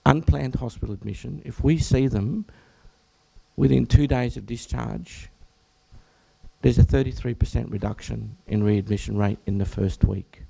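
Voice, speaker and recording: Speaking to health professionals at an information session, an Australian general practitioner sounds croaky and hoarse after talking a lot. He often clears his throat and abandons phrases to start them over. His pitch is medium and his tone warm, though the recording is rough.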